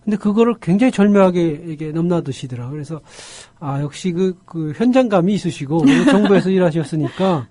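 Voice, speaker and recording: A middle-aged man from North Korea with a North Korean accent, co-hosting a talk show in a measured, earnest way. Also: fairly high pitch, lively intonation, dark tone, no echo. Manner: measured, earnest, praising the guest. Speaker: co-host. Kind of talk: studio talk show chat.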